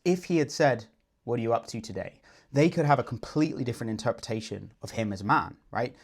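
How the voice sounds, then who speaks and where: A man's voice: mid-range voice, fast talker, slightly rough. A man working as a dating coach, confidently explaining and breaking down a client's approach. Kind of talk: video breakdown commentary.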